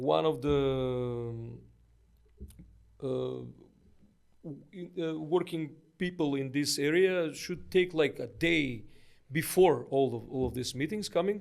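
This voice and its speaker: Over noticeable background noise, a man with a Macedonian accent talks at a very slow pace, leaving long, frequent pauses. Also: fairly high pitch for a man, ordinary pitch variation, big swings in loudness. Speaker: podcast host and musician. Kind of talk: casual interview. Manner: halting.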